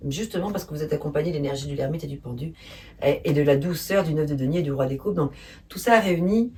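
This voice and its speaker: A woman with a low voice talks through a tarot reading in a calm, gentle, spontaneous way, pausing often on fillers. She sits a little away from the mic, and a faint hiss runs under her voice. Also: distant mic. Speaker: tarot reader.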